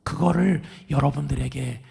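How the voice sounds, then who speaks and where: Hoarse middle-aged male pastor, raspy half-whisper, fairly high pitch, preaching calmly with long church reverb. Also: normal speed. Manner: calm, earnest, reassuring. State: hoarse, strained voice after vocal cord surgery. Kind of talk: sermon. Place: large church sanctuary.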